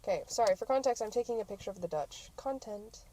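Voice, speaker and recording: A woman's voice: mid-range voice, quick pace, dark tone. A woman podcast host chatting casually in a playful, giggly, talkative way. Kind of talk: casual chat. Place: on the go, around parking lot and car. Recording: noisy on-location recording with vehicle ambience. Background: clear ambient and vehicle noise.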